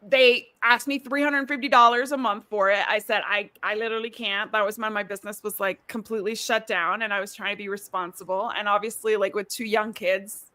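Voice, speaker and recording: A woman's voice: medium pitch, fairly even intonation, a little fast, hardly any pauses, bright, forceful tone. A middle-aged woman from Ecuador, chatting casually over a video call on a live stream and filling her talk with asides. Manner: chatty, many fillers and asides. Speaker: podcast host.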